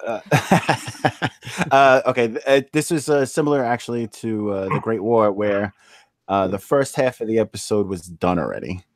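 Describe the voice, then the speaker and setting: A man chatting casually as a composer on a panel, speaking haltingly with many small pauses. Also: fairly low pitch, no echo, clean studio sound.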